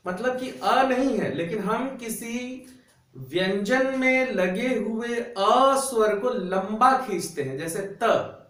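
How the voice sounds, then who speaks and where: A man teaches a class, patiently explaining grammar at a board and stretching out syllables so students can copy them. His voice is high-pitched, slow and a bit bright. The room echoes, and he sounds somewhat distant from the mic.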